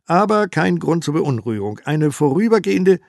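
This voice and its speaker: An older man in his eighties playing a reassuring male stock-market expert on television, speaking loud and bland. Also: mid-range voice, brisk, creaky, dry recording, clean studio sound. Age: 80s.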